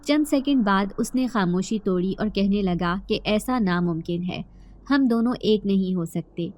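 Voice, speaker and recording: Mellow-voiced woman narrating a horror tale. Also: mid-range voice. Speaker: storyteller. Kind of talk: first-person scripted horror story narration.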